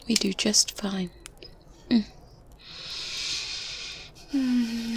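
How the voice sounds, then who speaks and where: Lady doing a kindly witch asmr, whispery n super slow, bit teasing, ambience noise behind her. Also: a little high. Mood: wry, calm. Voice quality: breathy whisper. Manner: slow, gentle, with murmured hums and soft chuckles. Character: good witch, strict yet kindly, mildly teasing mentor. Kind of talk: ASMR roleplay, softly spoken and whispered. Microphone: close binaural microphone. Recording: close binaural mic with ambient background noise. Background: medieval ambience sounds.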